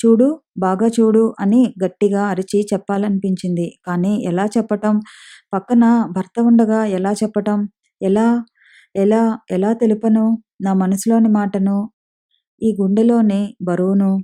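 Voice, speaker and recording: A woman narrating a story for an audiobook in a calm, measured reading. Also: mid-range voice.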